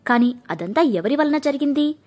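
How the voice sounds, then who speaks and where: A woman voicing an earnest, injured young married man who pleads gently but firmly. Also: sits high, expressive, normal speed, pitched above the performer's own voice. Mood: pleading, firm. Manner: pleading, firm.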